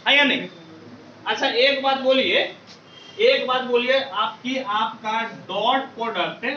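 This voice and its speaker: A man leads a maths class in a very high, sharp voice, firing questions and asking the students to shout the answers back. He calls them babu and beta as he goes. The sound is dull and distant, with the echo of a roomy classroom around it. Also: slight background noise. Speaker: maths teacher. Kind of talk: classroom lecture with call-and-response.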